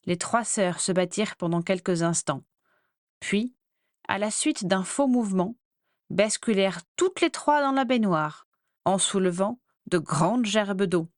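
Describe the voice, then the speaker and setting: A woman's voice: medium pitch, lively intonation, measured pace, no echo. Woman narrating a fantasy audiobook, dry. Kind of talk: scripted narration.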